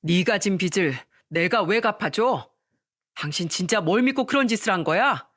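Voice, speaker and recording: A woman's voice: medium pitch, animated, normal speed, fairly bright tone. A woman voicing an angry husband who scolds his wife coldly, in a story reading. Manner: harsh, scolding.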